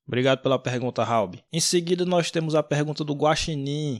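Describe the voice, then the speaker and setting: The sound is dry and close with no echo as a man speaks at a moderate pace with ordinary pitch variation. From Brazil, interior of Bahia (Sobradinho). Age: 20s. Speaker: anime YouTuber. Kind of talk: Q&A video, casual talk to viewers.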